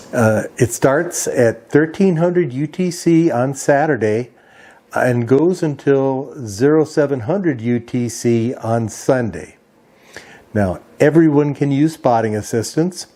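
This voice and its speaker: Male host, slow measured pace, soft-edged dark tone, methodical informational explainer. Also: medium pitch. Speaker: host of a ham radio video channel.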